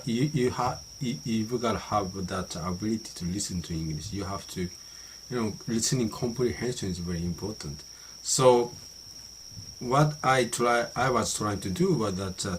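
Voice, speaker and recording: A middle-aged man from Japan with a Japanese accent, talking about how he learns English in a halting monologue full of restarts and "you know" fillers. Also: deep voice, background noise. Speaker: vlogger. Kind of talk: unscripted monologue practicing English.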